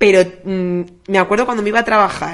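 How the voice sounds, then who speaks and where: A woman speaks at a very fast pace over noticeable background noise. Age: 30s. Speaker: comedian. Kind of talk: casual chat.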